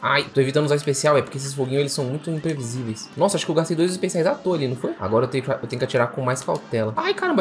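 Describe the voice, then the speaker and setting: A man with a Brazilian Portuguese accent giving excitable let's play commentary while gaming, often repeating exclamations in bursts. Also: medium pitch. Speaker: gamer.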